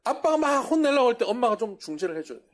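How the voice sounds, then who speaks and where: A male pastor delivers a sermon lecture in a high voice that swings widely in pitch. He keeps putting questions to the congregation and answering them himself. When he quotes people, he acts them out with his voice raised. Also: very animated, rapid-fire. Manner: asks the congregation rhetorical questions.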